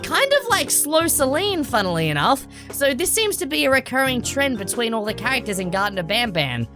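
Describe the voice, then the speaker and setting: Female game-lore host, highish voice, very lively intonation, musing and explanatory, music underneath. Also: brisk. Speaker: video host.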